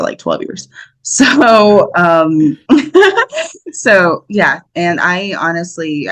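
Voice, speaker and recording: A young woman from the United States, an actor guesting on a podcast, talking casually and animatedly with frequent laughs and fillers. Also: low-pitched. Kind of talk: casual interview chat.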